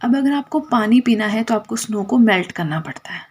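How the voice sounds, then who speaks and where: हल्की भारी आवाज़ वाली महिला शिक्षिका. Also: female voice, mid-range voice, lively intonation, fairly quick, darkish tone, husky. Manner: tags lines with "theek hai", mixes English terms into Hindi. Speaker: teacher. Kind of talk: explaining a school textbook chapter.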